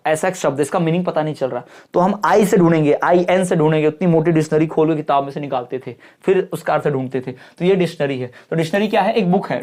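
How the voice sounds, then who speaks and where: A woman teacher giving an exam-prep lecture. She reads English definitions slowly, explains them, and often stops to check that her students understand. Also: lowish voice, darkish tone. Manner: keeps checking understanding with quick questions.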